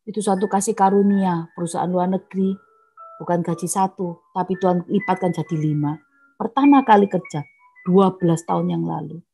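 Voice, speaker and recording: A woman's voice: fairly low pitch, a little fast, gravelly, mellow, faint music behind. A middle-aged woman giving an earnest personal testimony at an online prayer meeting, speaking straight to her listeners as brethren.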